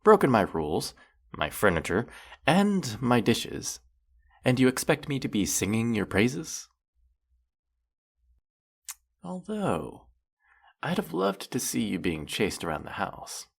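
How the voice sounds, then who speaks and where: A man acts out a male faerie trickster with a low voice that swoops widely as he teases and scolds. He is dry, sarcastic and flirtatious, with a creaky edge, as in an intimate fantasy roleplay audio. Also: exaggerated voice. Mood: scolding, playful. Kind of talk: scripted roleplay audio monologue addressed to the listener.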